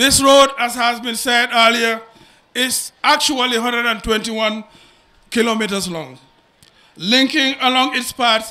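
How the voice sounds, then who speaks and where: A man speaks at a fairly slow pace. His voice is raised and projected. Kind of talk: formal ceremonial speech. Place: tent. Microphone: podium.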